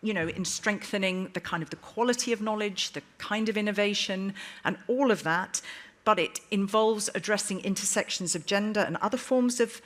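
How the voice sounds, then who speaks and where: A woman's voice: medium pitch, moderate pace, a bit bright. A woman moderating a live conference panel in a chatty, emphatic, bantering way, addressing guests and audience informally.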